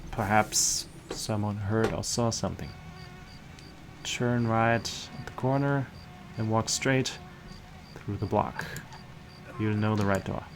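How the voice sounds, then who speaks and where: A man's voice: on the low side, background noise. A man reading the part of a cynical, world-weary guardsman in a visual novel. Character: gruff, cynical male slum guardsman reporting a murder.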